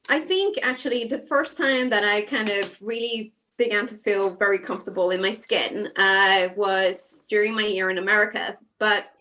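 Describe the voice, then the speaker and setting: A woman from Sweden talking casually as a craft show guest over a video call, chatty with many fillers and soft asides. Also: medium pitch. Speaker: guest designer. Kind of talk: casual chat while crafting.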